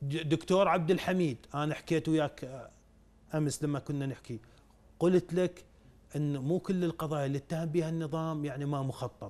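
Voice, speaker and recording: A man with an Iraqi accent talks at a moderate pace, using a fairly high pitch and fairly even intonation. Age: young. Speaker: historian and author; guest. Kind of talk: interview. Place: studio. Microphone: lapel.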